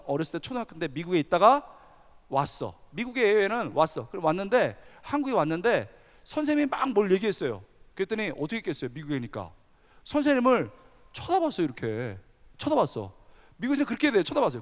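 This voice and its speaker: A male pastor preaching a sermon, telling a story with animated energy and asking the audience questions. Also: high-pitched. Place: large church hall. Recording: long hall reverb.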